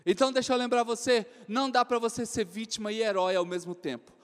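A woman pastor preaching a lively, folksy sermon, animated and full of acted quotes, in a church. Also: a little high, quick pace. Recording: long church hall reverb.

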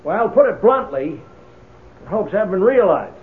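A man's voice: high voice, very animated, a little slow. An actor playing a nervous, doubting businessman with a hesitant, stammering manner in a 1970s radio drama. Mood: uneasy, doubting. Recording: tinny, noisy 1970s radio recording.

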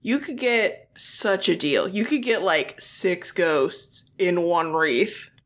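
A woman's voice: fairly low pitch, slow. A woman co-hosting a podcast in casual chat, teasing dryly and laughing often. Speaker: podcast co-host.

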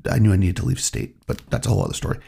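Podcast guy with a cold, super gravelly and husky, dark low voice, chatty and laid back. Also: very fast. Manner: relaxed, reflective, chatty. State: has a cold, voice strained. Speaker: podcast host. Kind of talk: solo podcast monologue.

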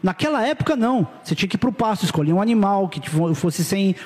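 A middle-aged Brazilian pastor delivers a sermon in a quick, high voice. He is direct and urgent, dropping casual slang between appeals. The sound carries a long reverb of a church hall. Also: expressive, darkish tone. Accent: Brazilian Portuguese.

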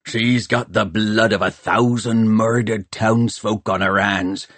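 A man voicing a gruff, blustering pirate mayor in an audiobook, snarling and hissing with rough, ungrammatical speech. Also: lowish voice, steady tone, takes it slowly, fairly bright tone, no room sound, heavily acted. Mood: vengeful, menacing. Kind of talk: audiobook character voice.

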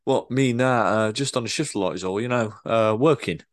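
A man's voice: medium pitch, brisk, natural voice. A man playing an awkward, evasive young staff member who hesitates and stumbles over fillers.

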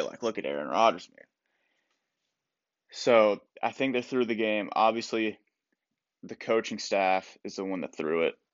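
A man's voice: lowish voice, no echo, muffled recording. A young man hosting his own solo sports podcast, sounding stuffed up and rambling through opinionated takes with many restarts. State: stuffed-up nose. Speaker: podcast host.

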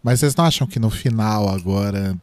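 A man co-hosting a casual podcast, bantering playfully in a camp, quick way. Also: fairly low pitch, darkish tone, no room sound. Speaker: podcast co-host.

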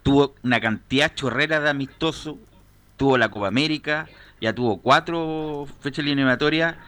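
A man's voice: mid-range voice, moderate pace, a bit bright. A man hosting a football panel, talking assertively and listing points. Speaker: host. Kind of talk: sports talk debate.

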